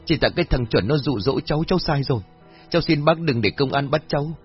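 A man's voice: medium pitch, expressive, normal speed, slightly rough, dull audio, soft background music. A man voicing a frightened young village man who begs and swears oaths, in a storybook reading. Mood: begging, tearful. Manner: wailing, begging, swearing oaths.

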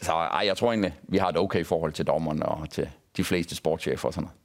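A man who runs a football club, talking casually on a talk show and telling stories with lots of repeated words. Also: rumbling low. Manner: animated storyteller, often doubles words. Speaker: football club director, guest.

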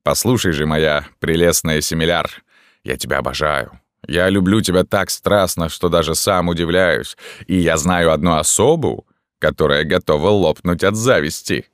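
A man's voice: a bass voice, moderate pace, clean tone, dry recording, clean studio sound. A man playing a smug, amorous army captain.

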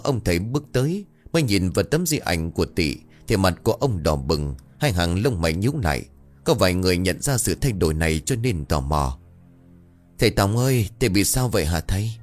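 Low-voiced man telling a horror story. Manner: dramatic, expressive storytelling. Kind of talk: scripted horror narration.

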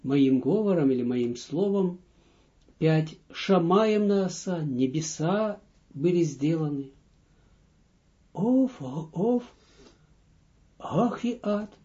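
A man teaching a text line by line, reading phrases aloud, translating and repeating them slowly for his students. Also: on the high side, animated, mellow. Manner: slow, deliberate, dictating with pauses. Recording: dull lo-fi audio recording.

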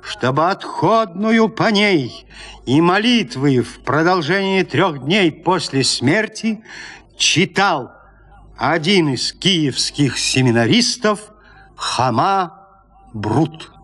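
A man narrating a classic story in a radio play, reading in a measured, expressive literary way. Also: a little high.

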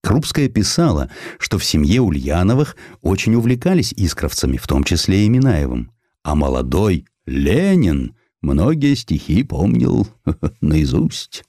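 Deep-voiced, expressive male audiobook narrator. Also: a little slow, no echo. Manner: expressive, theatrical delivery. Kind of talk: scripted literary narration of a historical essay, with expressive verse recitation.

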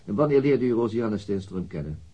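An actor playing a formal, persistent police investigator questioning a witness in a radio drama, with probing questions and hesitant pauses. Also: male voice, on the low side, animated, dark tone, breathy edge, rough recording.

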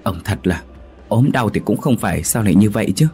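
A man's voice: expressive, brisk, dark tone, breathy edge, soft background music, heavily acted. A man voicing a frightened, nagging old village wife who scolds her husband, in a spoken ghost story. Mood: scolding. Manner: scolding, shrill calling out.

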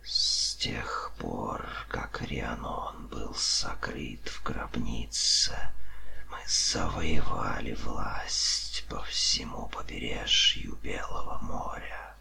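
A man voicing a mocking, arrogant serpent-man leader in an audiobook, in a soft, hissing whisper with a haughty, drawn-out delivery. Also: a bass voice, big pitch swings, pitched below the performer's own voice, full character voice. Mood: haughty, menacing. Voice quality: breathy whispering hiss, soft. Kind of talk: audiobook character voice.

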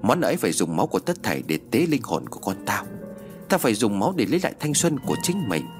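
A man's voice: fairly low pitch, sing-song, fast, music in the background. Man voicing a gloating vengeful village woman. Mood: taunting. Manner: gloating, taunting.

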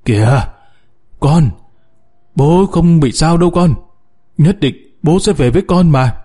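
A man's voice: on the high side, lively intonation, takes it slowly, mellow, breathy edge, pitched above the performer's own voice, heavily acted. A man voicing a kindly, flustered miner near sixty in a story, full of emotion. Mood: reassuring.

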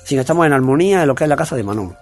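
A man's voice: medium pitch, animated, very fast, faint music behind. Earnest man giving testimony. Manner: earnest, repetitive, plain-spoken. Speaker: interview guest, devotee.

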